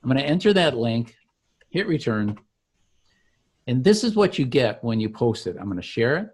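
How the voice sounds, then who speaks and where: Guy doing a casual software demo, explains every click, kinda salesy, mid-pitched voice. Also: big pitch swings, normal speed, husky. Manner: explanatory, salesman-like, talking through each click. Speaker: company founder demonstrating his product. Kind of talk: informal software demo walkthrough.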